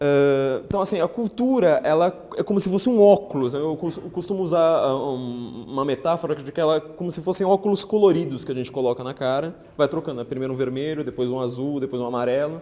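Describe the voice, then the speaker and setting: Amid noticeable background noise, a man with a fairly high pitch talks at a very fast pace, with lively intonation and hardly any pauses. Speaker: political writer and lecturer. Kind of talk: lecture.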